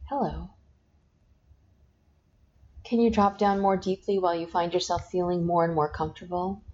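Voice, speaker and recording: A woman hypnotist talks the listener down into trance with slow, soft, repeated suggestions. Her voice sits low and mellow. The recording is dull and lo-fi, with a faint hiss underneath. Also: steady tone. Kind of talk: guided hypnosis session. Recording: dull lo-fi sound with faint noise.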